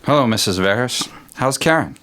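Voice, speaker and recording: A man's voice: mid-range voice, lively intonation, moderate pace, sharp tone. A man playing a nervous, defensive, hesitant young man in a horror audio drama. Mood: awkward. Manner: hesitant, exasperated. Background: music.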